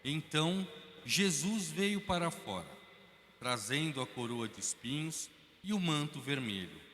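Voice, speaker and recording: Brazilian male narrator, measured, slow, long church reverb. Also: on the high side, animated, fairly bright tone, slight background noise. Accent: Brazilian Portuguese. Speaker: narrator reader. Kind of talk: liturgical Passion reading. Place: large church.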